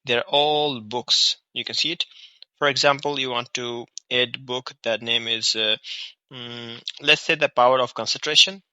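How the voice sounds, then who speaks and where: A man with a South Asian accent walks through an app in an informal tutorial style. His voice is middle-pitched and strikingly bright and sharp, recorded dry and close. He instructs step by step, repeating himself and checking in. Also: steady tone, unhurried, dry recording, lo-fi sound. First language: Hindi or Urdu. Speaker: app reviewer and tutorial host.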